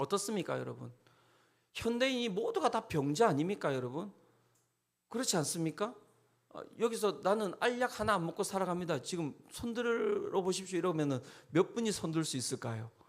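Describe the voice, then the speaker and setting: A man speaks at a high pitch with lively intonation. His pace stays moderate. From South Korea, Busan. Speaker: pastor. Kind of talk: sermon. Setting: church. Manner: emphatic, sounds angry to others; repetitive, animated.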